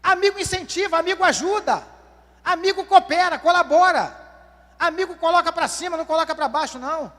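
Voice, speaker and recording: A man's voice: very high-pitched, brisk, sharp tone. A man, preaching a sermon and questioning the congregation as "dear ones". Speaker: pastor. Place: church hall. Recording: long church hall reverb.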